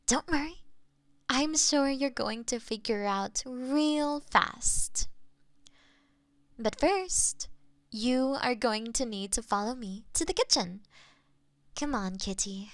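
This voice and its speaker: A woman playing a doting, playful cat owner in an intimate ASMR roleplay, cooing and gently coaxing as if to a pet, close on a binaural microphone. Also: a little high, animated, takes it slowly, long pauses, no room sound, full character voice. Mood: bright, encouraging. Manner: cooing, teasing baby talk to a pet.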